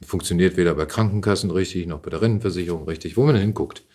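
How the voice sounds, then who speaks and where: A middle-aged man speaking as an interview guest in casual conversation, reflective and halting as he searches for words. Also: low voice, a little mellow.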